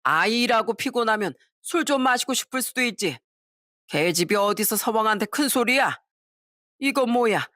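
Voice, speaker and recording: A woman's voice: fairly high pitch, a bit bright, dry recording, studio quality, voice pushed up, close to an everyday voice. A woman voicing a stingy, bullying old father-in-law who scolds with contempt, in a story read aloud.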